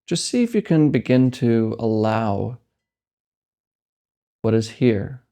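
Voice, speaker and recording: A man with a soft-edged, mellow voice guides a meditation. His pitch sits in an ordinary male middle range. He phrases things gently and leaves deliberate space between thoughts, giving simple, calm instruction.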